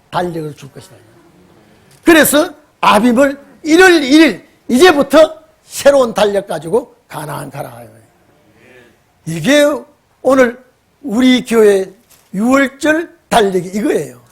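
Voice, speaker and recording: A man's voice: very high-pitched, slightly rough. A man preaching, telling the story with acted dialogue and questioning the congregation. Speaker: pastor. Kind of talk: lively sermon with acted dialogue.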